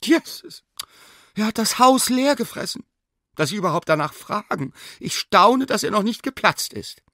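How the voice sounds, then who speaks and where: A man voicing a shrill, scolding young housemaid. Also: animated, normal speed, fairly bright tone, no room sound, studio quality. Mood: exasperated. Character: indignant young female housemaid.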